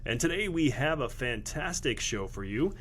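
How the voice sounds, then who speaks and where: A male podcast host chatting casually, with a lively, swinging voice. He teases and jokes freely, with easy laughter. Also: medium pitch, moderate pace, a little hiss or hum. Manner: jokey, teasing, laughs often.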